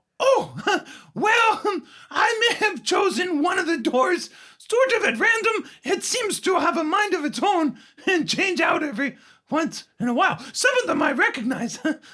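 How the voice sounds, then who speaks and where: A put-on character voice from a man, pitched extremely high, moving at a moderate pace. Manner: upbeat.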